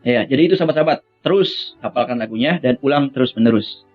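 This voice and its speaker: A man's voice: mid-range voice, fast talker, lo-fi sound, faint music behind. A young man teaching Quran recitation singing in a casual, friendly lesson, with sung chant demonstrations. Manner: friendly, addresses viewers as friends, breaks into melismatic chant. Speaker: vocal coach for Quran recitation.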